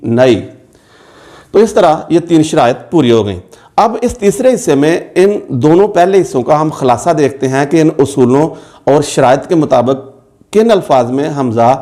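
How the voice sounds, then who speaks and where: A man teaching an online lesson on spelling rules, speaking slowly and carefully and breaking words into syllables. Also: on the high side, dark tone. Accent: Urdu-speaking.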